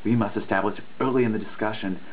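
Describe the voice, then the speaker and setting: A man's voice: lowish voice, fairly even intonation, fast talker. A man giving a dramatic reading of a written text, earnest and emphatic in a preachy way, now and then stumbling over a word. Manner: earnest, emphatic, preachy delivery with occasional misreadings. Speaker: reader of a dissertation. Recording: tinny phone-like sound with faint noise.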